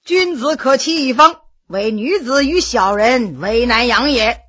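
A woman's voice: fairly high pitch, animated, a little slow, fairly bright tone, breathy edge, highs cut off, exaggerated voice. A woman voicing a shrewd old male tea merchant who mocks an officer, switching between coarse and bookish talk. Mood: mocking.

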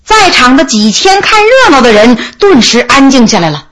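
A woman narrating a historical tale in an expressive, unhurried, dramatic reading style. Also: high-pitched. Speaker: storyteller. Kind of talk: storytelling narration of a historical novel.

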